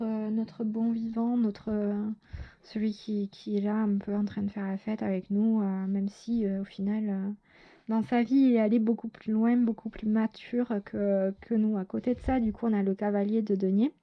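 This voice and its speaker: A woman with a medium-pitched voice gives her viewers a casual tarot reading. She speaks hesitantly, full of fillers and self-corrections, and the audio sounds dull.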